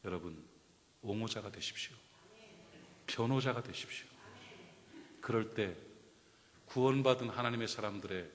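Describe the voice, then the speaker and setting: Impassioned Korean pastor, lively pitch. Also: male voice, a little hiss or hum. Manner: impassioned preaching that drops to soft storytelling. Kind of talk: sermon. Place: church sanctuary. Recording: reverberant church hall.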